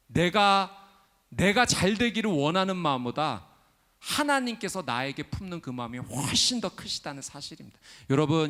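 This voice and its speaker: Pastor guy preaching, animated and swoopy, builds up to loud big declarations. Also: fairly high pitch. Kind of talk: sermon.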